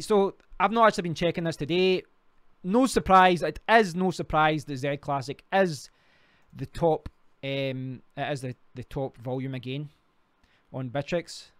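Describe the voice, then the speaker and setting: A man's voice: a little high, clear, resonant tone, no room sound. Scottish man chatting on a live stream. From Scotland. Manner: rambling, talks to himself while clicking around. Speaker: crypto livestream host. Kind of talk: casual live stream chat.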